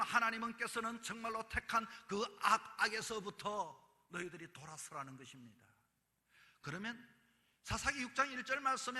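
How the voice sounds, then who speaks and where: A man's voice: sits high, sharp tone. A male pastor, preaching a sermon in emphatic bursts, recorded in a church. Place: church sanctuary. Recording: long reverb of a church hall.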